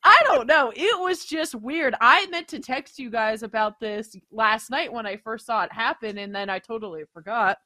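A woman's voice: on the high side, normal speed, hardly any pauses, sharp tone, no room sound. A woman co-hosting a sports betting podcast, chatting casually and laughing as she talks. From near Washington DC area. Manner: chatty, laughs while talking. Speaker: podcast co-host. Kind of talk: casual chat.

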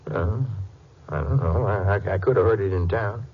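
An actor playing a jealous, nervously defensive American husband in a 1950s western radio drama, talking in a self-justifying way. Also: male voice, low-pitched, moderate pace, husky. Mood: evasive. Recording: muffled old-time radio recording.

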